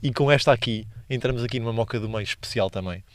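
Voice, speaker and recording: A man's voice: medium pitch, fast, dry recording. A young man with a European Portuguese accent hosting a casual solo podcast, slangy and rambling, laughing at his own stories. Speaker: podcast host.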